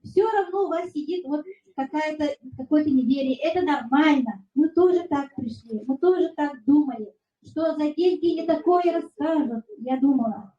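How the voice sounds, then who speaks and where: High-pitched woman hosting a meeting, mellow voice, muffled echoey sound. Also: moderate pace. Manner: encouraging, full of praise. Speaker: presenter. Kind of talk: hosting a presentation.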